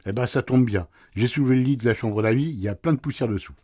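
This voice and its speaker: A man's voice: medium pitch, fast, dark tone, dry recording, natural voice. An actor playing a sleepy, teasing husband in a radio play, answering his wife with dry sarcasm. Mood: grumpy, teasing. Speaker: husband woken at night.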